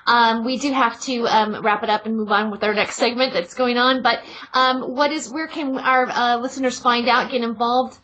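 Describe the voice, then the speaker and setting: A woman's voice: a little high, fairly even intonation, moderate pace, few pauses, pushed and bright, a little hiss or hum, low-quality recording. A woman hosting a casual radio talk show, interviewing guests and stumbling over words at times.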